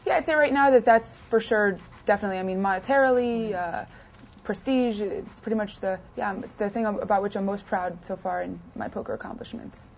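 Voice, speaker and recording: Young woman, interview guest, chatty with fillers; middle pitch, lo-fi recording. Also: a little fast, creaky, a little hiss or hum. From United States, partly raised in France. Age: 20s. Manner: chatty, many fillers and restarts. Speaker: interview guest, poker player. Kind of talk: casual interview answers. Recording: dull lo-fi sound.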